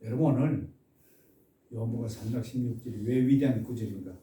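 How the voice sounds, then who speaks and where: Emphatic preacher in an echoey church. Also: male voice, medium pitch, a little fast. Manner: emphatic, rising to loud exclamations on key words; asks the congregation questions and has them repeat phrases. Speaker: pastor. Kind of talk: expository sermon. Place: church sanctuary. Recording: echoey church room, mic at a distance.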